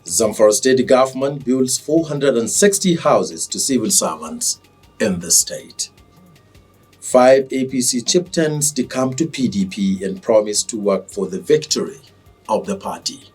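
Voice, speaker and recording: A Nigerian man reading scripted television news as anchor, in a formal, measured manner. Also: medium pitch, expressive, darkish tone, slightly rough, recorded from a distance, faint music behind.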